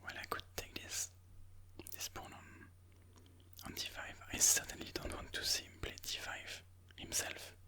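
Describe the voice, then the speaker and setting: A person whispering ASMR game commentary in a breathy, mostly unvoiced voice, slowly and soothingly thinking aloud. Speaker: ASMR chess video host.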